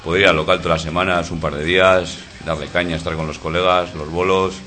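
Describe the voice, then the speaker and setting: Deep, bright-voiced bassist. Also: male voice, little pitch movement, fast talker. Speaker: band bassist. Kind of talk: casual interview.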